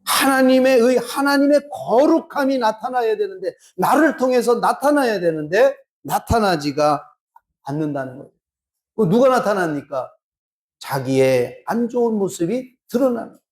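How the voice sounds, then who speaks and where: A man's voice: sits high, animated. A male pastor preaching a sermon in a church, acting out little exchanges to make his points. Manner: slow, drawn-out preaching with acted-out dialogue. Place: church sanctuary.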